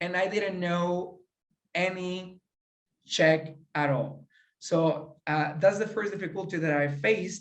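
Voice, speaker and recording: A man with a Spanish accent, high in pitch, at a very slow pace and with fairly even intonation. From Mexico. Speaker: teacher. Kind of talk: lecture. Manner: halting.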